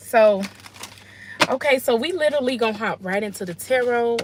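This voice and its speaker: A woman's fairly high voice at a moderate pace, lively in intonation, over noticeable background noise. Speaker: tarot reader. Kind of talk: casual tarot reading livestream. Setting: outdoors.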